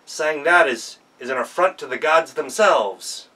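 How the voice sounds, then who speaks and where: A man voicing a pompous, easily offended male mandarin in a folktale, stern, loud and commanding. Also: fairly high pitch, measured pace, far from the mic. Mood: indignant.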